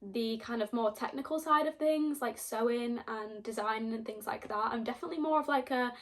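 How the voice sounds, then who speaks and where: Young Yorkshire woman, casual talky vlogger, a touch high-pitched, lots of "like". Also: brisk. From Yorkshire, England. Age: young adult. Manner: chatty, rambling, lots of "like". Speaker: book vlogger. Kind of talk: casual chat to camera.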